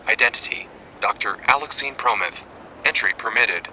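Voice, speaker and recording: A man's voice: medium pitch, moderate pace, bright, forceful tone. A man voicing an impersonal automated checkpoint scanner in an audio drama, in clipped announcements. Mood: impersonal, procedural. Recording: noisy ambience behind the voice.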